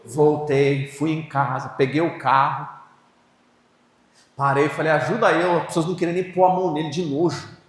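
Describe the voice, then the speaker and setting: Brazilian male pastor, high voice, impassioned sermon swinging up to shouted prayer; echoey church hall. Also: fairly even intonation, moderate pace. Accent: Brazilian Portuguese. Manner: tells a personal story, rising to shouted prayer.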